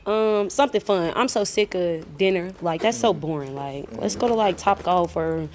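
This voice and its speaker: A woman's voice: on the low side, normal speed, a little mellow, slight background noise. A nineteen-year-old woman contestant on a dating show, blunt and casual, talking on a handheld mic in a white studio. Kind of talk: casual chat.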